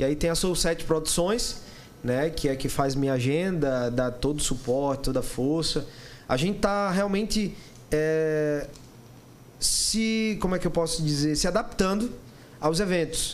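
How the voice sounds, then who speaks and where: Amid audible room echo, a man with a fairly high pitch speaks fairly slowly, using lively intonation, very even loudness and long, frequent pauses. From Moreno, Pernambuco, Brazil. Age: 20s. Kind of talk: podcast interview. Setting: meeting room of a radio station.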